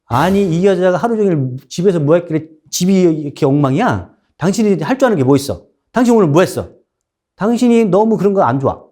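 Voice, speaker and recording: A man's voice: sits high, expressive, a little fast, dark tone, voice pushed up. A man voicing an irritable husband who complains about a messy house. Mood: blaming. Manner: complaining, blaming.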